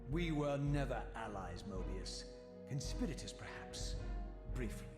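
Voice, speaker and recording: An actor playing a proud, scornful undead spirit of vengeance in a video game, speaking with sardonic, theatrical precision. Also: male voice, medium pitch, lively intonation, unhurried, lightly acted. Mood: mocking. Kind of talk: dramatic video game voice acting. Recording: echoey long reverb, game music behind.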